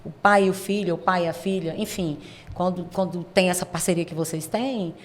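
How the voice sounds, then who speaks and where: A woman's voice: fairly low pitch, brisk, a little hiss or hum. Woman host asking probing questions. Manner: probing questions, rephrases as she goes. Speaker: interviewer, host. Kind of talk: business interview.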